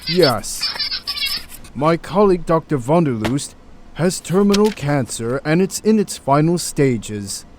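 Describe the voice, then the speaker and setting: Slow-spoken earnest doctor, played by a man, noisy recording. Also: a little high, very animated, darkish tone. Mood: earnest, hopeful. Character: earnest, kindly medical doctor, adult man. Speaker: voice actor in audio drama. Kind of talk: amateur audio drama acting.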